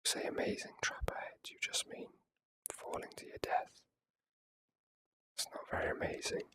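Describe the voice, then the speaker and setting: A person whispering softly and casually as ASMR commentary over a video game. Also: moderate pace. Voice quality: soft unvoiced whisper. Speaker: gaming video creator.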